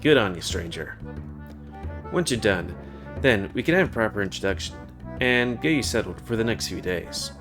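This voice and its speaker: Game character: a man doing a self-assured tavern bartender, lowish voice, businesslike and reassuring, music playing behind. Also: lively intonation, normal speed, lightly acted. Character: confident adult male tavern bartender.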